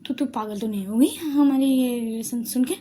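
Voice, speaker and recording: A woman's voice: a little high, normal speed, warm tone, close to an everyday voice. A woman voicing a caring, teasing young woman professor who fusses and scolds in a storybook retelling. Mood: puzzled.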